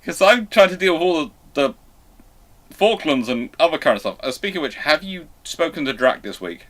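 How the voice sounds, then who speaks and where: A man's voice: on the high side, big pitch swings, a little fast, fairly bright tone. A man hosting a casual live panel discussion and answering questions in a conversational way. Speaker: host of a live naval history Q&A. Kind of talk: casual livestream panel chat.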